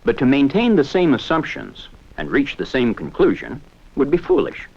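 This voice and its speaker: A man giving measured, explanatory scripted narration for a 1970s educational film. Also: mid-range voice, wildly swooping pitch, vocal fry, darkish tone, breathy edge, lo-fi sound.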